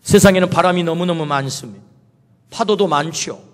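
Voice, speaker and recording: A man's voice: a little high, brisk. A male pastor preaching a sermon, asking many rhetorical questions and quoting Jesus in a personal, spoken manner. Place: church sanctuary. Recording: reverberant church hall.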